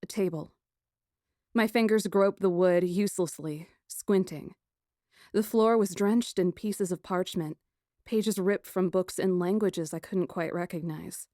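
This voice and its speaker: A woman's voice: lowish voice, measured pace, no echo. Woman narrating fantasy fiction, dry close sound. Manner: dramatic, expressive storytelling. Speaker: audiobook narrator. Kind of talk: expressive first-person scripted fantasy narration.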